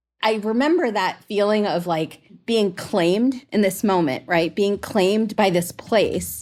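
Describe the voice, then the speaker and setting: Against music in the background, a woman with an American accent speaks at a fairly slow pace. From western Pennsylvania, USA. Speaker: travel media content executive. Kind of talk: podcast interview storytelling.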